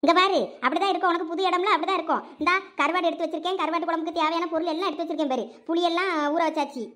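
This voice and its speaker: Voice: very high-pitched, fairly even intonation, racing, bright, forceful tone. A voice actor playing a scolding, fed-up village mother-in-law in a cartoon, with a Thoothukudi Tamil accent. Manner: scolding, nagging.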